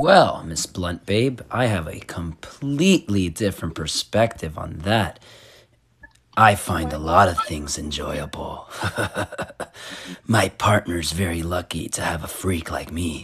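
A man uses a put-on character voice that is raspy and very deep in pitch. He talks at a fairly slow pace, with big swings in loudness. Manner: creepy.

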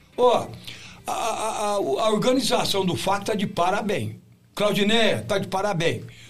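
Fairly slow male speech over noticeable background noise. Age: 70s. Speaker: rodeio announcer and storyteller. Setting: studio.

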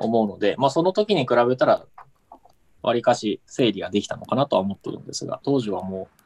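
A man uses a normal speaking voice at medium pitch, going at a fairly quick pace with lively intonation. His loudness swings widely, and the sound is dry and close with no echo. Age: 30s. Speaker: family business executive. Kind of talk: interview. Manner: thoughtful, pausing.

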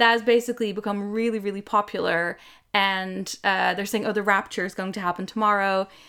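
Speaking at a fairly quick pace in a Dutch accent, a woman with a medium-pitched, bright and sharp voice keeps a monotone, flat intonation over a very clean recording with a silent background. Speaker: author and online book creator. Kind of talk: casual chat.

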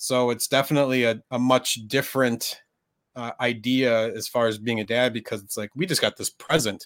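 A man with an American accent, medium pitch, fairly even intonation and moderate pace, in a dry, close sound with no echo on a very clean recording with a silent background. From Minnesota, US. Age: 40s. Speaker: media business owner. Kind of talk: casual chat. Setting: studio. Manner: talkative.

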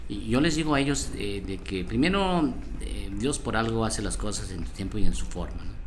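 Audible room echo and noticeable background noise accompany speech at a moderate pace. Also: man. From Mexico. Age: 50s. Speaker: business consultant and speaker. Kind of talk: interview.

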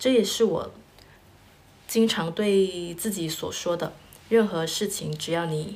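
In a southern Chinese accent, a woman speaks at a fairly slow pace with fairly even intonation, and audible room echo is present. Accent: southern Chinese accent in Mandarin. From Chaoshan region, Guangdong, southern China. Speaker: office worker and podcaster, guest. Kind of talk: casual chat.

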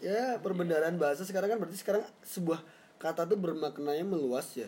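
Fairly brisk speech is heard against clearly audible background noise. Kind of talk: casual chat.

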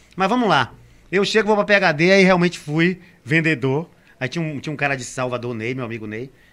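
A man at a fairly high pitch and a fairly quick pace with lively intonation, on a very clean recording with a silent background. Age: young. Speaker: entrepreneur. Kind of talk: casual interview. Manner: halting, repeats words.

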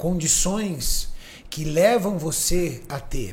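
A man's animated tone and lively intonation over noticeable background noise. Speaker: podcast host. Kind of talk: casual podcast chat. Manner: animated, informal.

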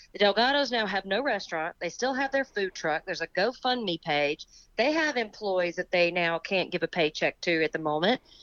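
A woman's medium-pitched voice in a Southern US accent, with very wide pitch swings at a moderate pace, dry and close with no echo. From Birmingham, Alabama. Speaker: radio co-host. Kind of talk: casual chat. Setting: phone call.

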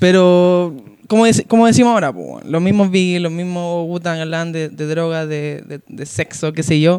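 A man speaks at a high pitch and a moderate pace, with ordinary pitch variation. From Chile, Concepción. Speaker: rapper. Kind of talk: casual chat.

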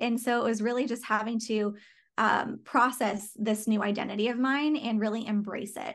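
Against a quiet background, a woman with an American accent speaks in a plain, everyday voice at a moderate pace. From Southern California. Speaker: podcaster and entrepreneur. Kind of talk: casual interview conversation.

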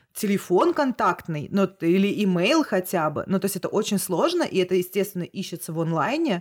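The pace is fairly quick. It is an ordinary speaking voice. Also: woman. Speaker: photographer. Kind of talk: casual chat.

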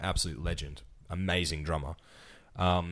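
A man with an Australian accent speaks in a very deep, low voice. His intonation is flat and monotone, and the recording is very clean with a silent background. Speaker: band member. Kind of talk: casual chat.

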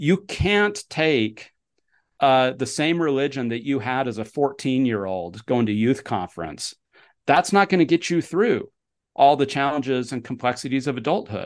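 Against a quiet background, a man with a plain, everyday voice and an American accent talks at a moderate pace and medium pitch, with lively intonation. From Utah, US (Sandy, Salt Lake suburb). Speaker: professor. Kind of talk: casual chat.

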